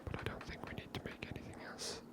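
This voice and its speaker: A host giving casual, hushed and unhurried ASMR commentary on a game in a whisper.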